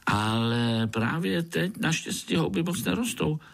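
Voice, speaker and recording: A man's voice: on the high side, expressive, creaky, pitched above the performer's own voice. A man voicing a timid young male forest creature who stammers and speaks shyly and hesitantly.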